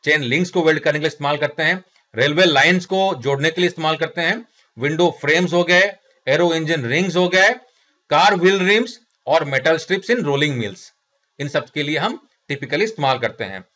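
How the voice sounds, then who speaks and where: A man's voice: on the high side, brisk, pushed and bright. A middle-aged man with an Indian accent, teaching a technical lesson over slides, explaining step by step and addressing viewers as friends. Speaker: instructor. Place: small studio room indoors. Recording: slightly dull lo-fi sound.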